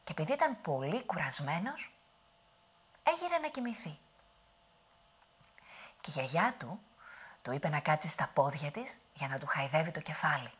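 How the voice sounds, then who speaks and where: Husky, lively woman storyteller. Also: deep voice, pauses often. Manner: dramatic, drops to whispers. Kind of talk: oral storytelling performance.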